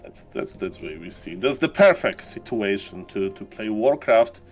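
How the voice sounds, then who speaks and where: A man's voice: on the low side, very animated, unhurried, soft background music. Rambling, enthusiastic male co-caster. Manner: rambling, filler-heavy, enthusiastic. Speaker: esports co-caster. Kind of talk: live esports casting banter.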